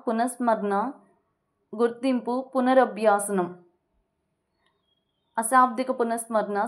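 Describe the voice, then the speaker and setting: Higher-voiced woman running exam revision, says every fact twice. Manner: repeats each point like a drill. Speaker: exam prep tutor.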